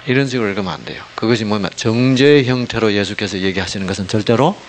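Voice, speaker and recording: A man preaching a sermon, asking the congregation constant rhetorical questions and dropping from loud emphasis to hushed asides. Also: lowish voice, quick pace, slight background noise. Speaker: pastor.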